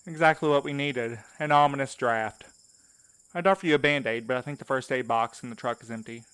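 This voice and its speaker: A man's voice: medium pitch, fairly quick, a bit bright, clear, resonant tone, natural voice. A man playing a wry, exasperated, wary supernatural mail courier in an audio drama, talking in a colloquial, needling way. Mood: dry sarcasm.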